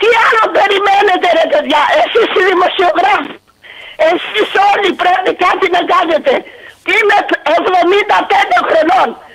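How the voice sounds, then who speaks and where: Extremely high in pitch, a woman speaks at a fairly slow pace with ordinary pitch variation and very even loudness. Noticeable background noise is present. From Greece, Achaea (Peloponnese). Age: 70s. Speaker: caller. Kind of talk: angry call-in rant. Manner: animated.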